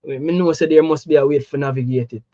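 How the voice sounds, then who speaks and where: A Jamaican man with a fairly high voice talks football in easygoing patois-tinged chat. The sound is dull and dry, close and flat. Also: quick pace, no room sound. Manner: animated, Jamaican patois turns. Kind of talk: casual chat.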